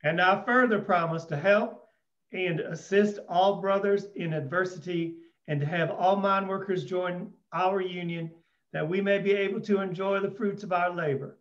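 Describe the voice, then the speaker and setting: A man putting on a high, solemn union official. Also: fairly even intonation, moderate pace, roomy sound, highs cut off, close to an everyday voice. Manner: solemn, formal recitation. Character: stern male union official leading a miners' oath.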